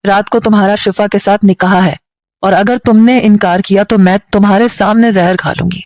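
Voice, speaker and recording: A woman's voice: mid-range voice, fairly even intonation, a little mellow, dry recording, close to an everyday voice. A woman voicing a distraught mother who pleads tearfully and insistently. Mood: desperate.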